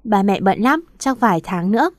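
A woman's voice: mid-range voice, lively intonation, normal speed, no room sound, close to an everyday voice. Lady doing a cold curt husband, brushes things off, dry close sound. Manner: curt and dismissive. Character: cold, dismissive young husband and boss.

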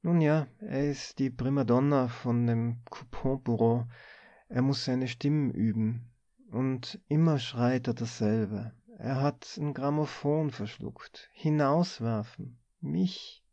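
A man reading an audiobook, voicing a placid office clerk who answers in an unhurried, mildly amused, folksy way. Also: medium pitch, mellow, dry recording, dull audio. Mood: wry musing. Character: placid, easygoing middle-aged male office clerk.

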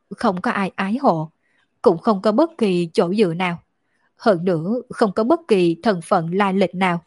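A woman voicing a lonely, orphaned young woman who speaks slowly with grief and a choked edge. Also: medium pitch, a little mellow, husky, dry recording, studio quality, natural voice. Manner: slow, grieving, choked delivery.

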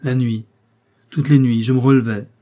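A man reading a novel aloud and voicing a smooth, scheming male seducer who pleads with melancholy passion. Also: mid-range voice, steady tone, moderate pace, dark tone, natural voice. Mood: impassioned. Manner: melancholy, impassioned declarations. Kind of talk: audiobook character voice.

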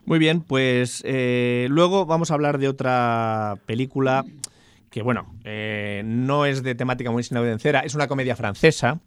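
A man from Catalonia co-hosting a casual chat about new film releases, relaxed and joking as he retells plots. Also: medium pitch, moderate pace, clean tone, no echo. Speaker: podcast co-host.

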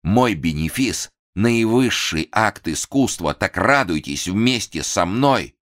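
A man's voice: lowish voice, lively intonation, slow pace, a bit bright, voice pushed up. A man voicing a grandiose, mad theatre assistant who declaims in a pompous, menacing way in an audiobook. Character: grandiose madman stage assistant with pistol.

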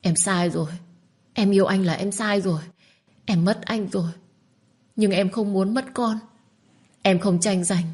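A woman's voice: darkish tone, lightly acted. A woman voicing a desperate young woman who begs tearfully to keep her child. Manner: tearful, begging, high and pressing.

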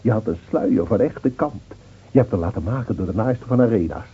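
An actor playing a gentle older village man who reminisces, hesitant and reflective, in a radio drama. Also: fairly low pitch, animated, a little fast, slightly rough. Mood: fond, reminiscing. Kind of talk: Dutch radio drama acting. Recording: dull old radio recording.

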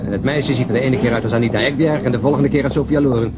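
An actor playing a coarse, wisecracking police detective in a radio crime drama, grumbling and mocking in a blunt way. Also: male voice, mid-range voice, steady tone, rapid-fire, very noisy, close to an everyday voice. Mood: sardonic, grumbling.

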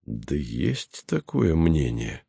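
A man's voice: rumbling low, sing-song, drawn-out words, vocal fry, warm tone, slightly rough, no echo, studio quality, voice pushed down, full character voice. A man reading a patient, ironic base commander. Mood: matter-of-fact. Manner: patient, matter-of-fact, slightly ironic. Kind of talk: audiobook character reading.

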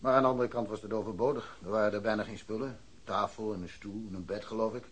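An actor playing a blunt, dismissive police detective in a radio drama, offhand and colloquial. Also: male voice, fairly low pitch, fairly even intonation, quick pace, a little hiss or hum, lightly acted. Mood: slightly defensive. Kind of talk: Dutch radio drama acting.

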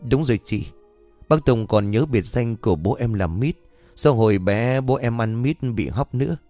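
A grateful young woman chats eagerly and asks questions, as a man narrating puts her on. The tone is lively, with faint music behind it. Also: medium pitch, moderate pace, close to an everyday voice.

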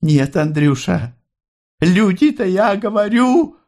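A man voicing an older working-class mother, proud and plainspoken, his voice raised high. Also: expressive, slow pace, a little mellow, exaggerated voice. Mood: astonished.

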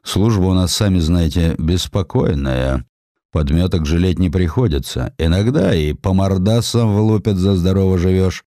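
A gloomy secret police chief acted by a male narrator in a historical audio drama. He is low, gruff and bullying, with blunt phrasing and a dark, dry sound. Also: moderate pace, no room sound.

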